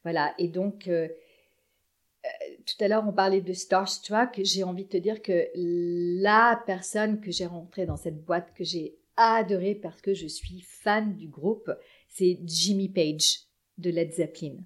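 A woman's voice: fairly low pitch, a little slow. A woman in her forties, a podcast guest, telling casual anecdotes in a chatty, hesitant way with many restarts.

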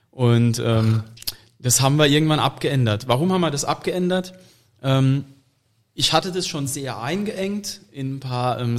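A man, a butcher guest chatting casually and explaining at length with fillers. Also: mid-range voice. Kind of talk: casual chat.

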